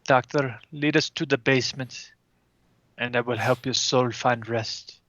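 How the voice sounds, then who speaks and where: A man's voice: mid-range voice, fairly even intonation, a bit bright, lo-fi sound, natural voice. A man playing solemn, honorable Orpheus. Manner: formal, measured speech.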